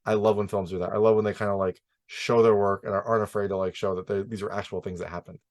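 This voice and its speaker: A man's voice: on the low side, level tone, quick pace. A man hosting a casual, opinionated film review, talking emphatically and introducing his points with repeated set phrases.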